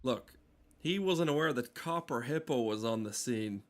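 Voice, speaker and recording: Male streamer, mid-pitched, loose and sweary, riffing irreverently over cutscenes in a casual ramble. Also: expressive, normal speed. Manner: profane, irreverent riffing with dark humour. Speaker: gameplay streamer.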